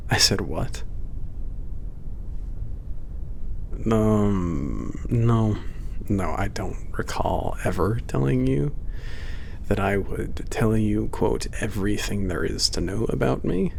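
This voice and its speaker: A man's voice: lowish voice, vocal fry, a little mellow, slight background noise. A man voicing a reticent, sarcastic werewolf coworker in a casual ASMR roleplay, speaking hesitantly and dryly. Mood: guarded, deflecting. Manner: hesitant, dry, casually mumbling. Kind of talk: ASMR roleplay, casual one-sided chat.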